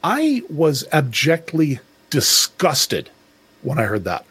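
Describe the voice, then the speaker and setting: A man's voice: a little high, wildly swooping pitch, takes it slowly, fairly bright tone, slightly rough, dry recording. A middle-aged man co-hosting a podcast, talking in a rambling, reflective way with many restarts. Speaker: podcast co-host. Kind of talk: casual discussion.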